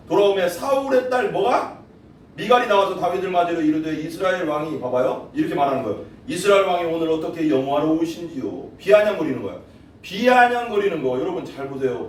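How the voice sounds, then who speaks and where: A man preaching a sermon as pastor, animated, quizzing the congregation and acting out quotes. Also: high voice. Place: church sanctuary. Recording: echoey hall from far off, faint noise.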